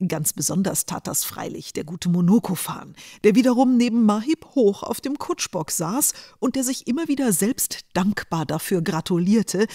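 A woman narrates a storybook tale in a mid-range voice. Her delivery is scripted and expressive, with a wry touch. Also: medium pitch.

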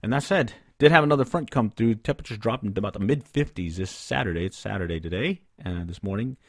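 A man's voice: on the low side, expressive, fast, no echo. A middle-aged man hosting a fishing podcast, recapping a trip in a rambling way with many fillers and restarts, close to a studio microphone. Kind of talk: casual solo podcast recap. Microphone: studio condenser mic on stand, close.

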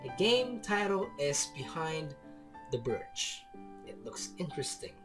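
A man's voice: fairly high pitch, sing-song, a little slow. A young man with a Filipino accent doing casual game commentary and reading story text aloud. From Philippines. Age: young adult. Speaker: gamer hosting a let's play. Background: soft guitar music.

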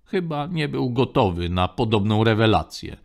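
A cocky space general with a wry, breezy way of talking, as a man reads him. His voice is low and gravelly. It stays quick-witted in a spoken space story. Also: big pitch swings.

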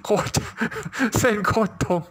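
A man hosting a drawing tutorial, talking while he draws, exclaiming in excitement and laughing often. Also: slow pace.

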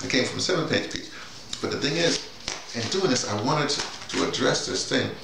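A middle-aged playwright and audio drama director talks about his writing in a casual, unscripted vlog, halting, repeating words and wandering into digressions. His voice is medium-pitched, animated and creaky. A camera mic a few feet away picks him up in a small, bare-walled office, so the sound is distant and echoey with a noisy background.

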